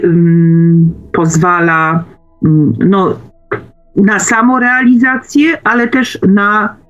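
High-voiced man, radio host, very unhurried, halting delivery, conversational interviewing. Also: dull audio. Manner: halting, pausing often mid-phrase.

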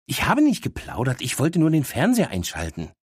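Guy doing a cheeky know-it-all girl dog, pitched up, dry close mic, audiobook. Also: wildly swooping pitch, brisk, breathy edge, no echo, exaggerated voice. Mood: smug. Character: opinionated young female talking dog. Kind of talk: audiobook character voice.

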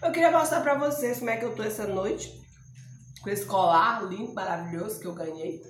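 A middle-aged woman from Ceará with a northeastern Brazilian accent, hoarse, chatting and joking to camera in her home vlog. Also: medium pitch, fairly quick, a little hiss or hum. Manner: joking, chatty, laughs often. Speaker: vlogger. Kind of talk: casual chat to camera. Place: small room indoors at home. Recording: echoey room.

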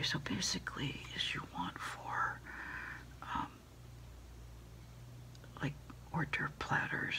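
A middle-aged American woman whispering softly and haltingly in a quiet ASMR roleplay, politely taking orders as if on the phone. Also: sits low. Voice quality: breathy whisper with fry. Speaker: ASMR performer playing a takeout order taker. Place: small dim indoor desk space.

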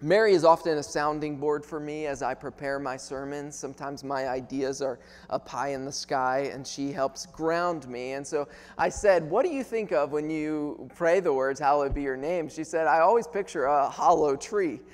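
A man's voice: a little high, moderate pace, few pauses. A man in his thirties preaching a sermon earnestly, often restarting and repeating words as he goes. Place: large wooden-panelled church, indoors. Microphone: clip-on lapel microphone. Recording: long church hall reverb.

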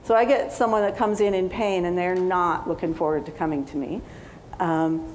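A woman's voice: lowish voice, steady tone, normal speed, slight background noise, low-quality recording. A woman in her forties, a physical therapist, giving a conversational conference talk from a stage, with fillers and quoted asides. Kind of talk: conference lecture.

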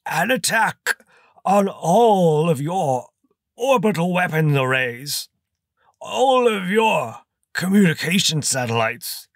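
A man voicing a scrawny cloned homunculus creature with a squeaky, wheezing voice and slow, gloating menace. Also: lively intonation, dry recording, clean studio sound, heavily acted. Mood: menacing. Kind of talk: audiobook character voice.

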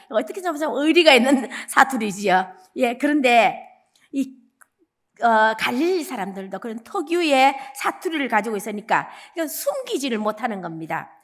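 A woman evangelist with a Gyeongsang accent, preaching a dawn service sermon as animated storytelling. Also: high-pitched. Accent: Gyeongsang Korean. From Gyeongsang region, South Korea. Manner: animated storytelling, acting out quoted lines.

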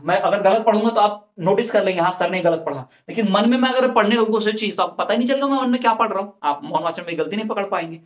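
High-voiced man teaching an exam lesson. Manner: explains patiently with examples, repeats key terms. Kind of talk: exam-prep lecture.

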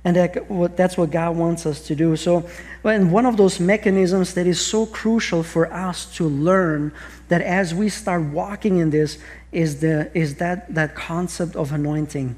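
A middle-aged pastor with an Austrian accent preaches to an audience on a large church stage, his high-pitched voice measured in pace and a little mellow. He is earnest, restarts often, and poses rhetorical questions.

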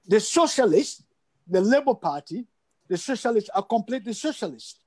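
A man's voice: high voice, sing-song, normal speed, darkish tone, slightly rough. An older man from Sierra Leone, a guest on a video call interview, speaking emphatically and repeating phrases for stress. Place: indoor room at home.

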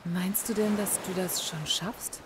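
An actress playing a caring female detective and friend in a radio crime drama, teasing and warm. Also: mid-range voice, steady tone, measured pace, noisy background, close to an everyday voice. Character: female police colleague Sibylle, caring friend.

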